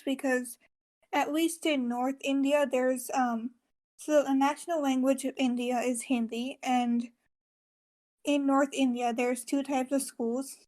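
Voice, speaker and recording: A woman's voice: sits high, darkish tone. A woman presenting a topic on a casual podcast, earnest and full of ums and likes. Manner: earnest, filler-heavy explaining. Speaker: podcast co-host presenting research.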